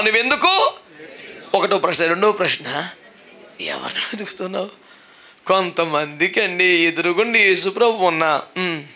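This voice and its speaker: Animated preaching man, high bright voice. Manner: animated preaching, mixing in English, shouting praises. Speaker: pastor. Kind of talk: lively sermon. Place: church service.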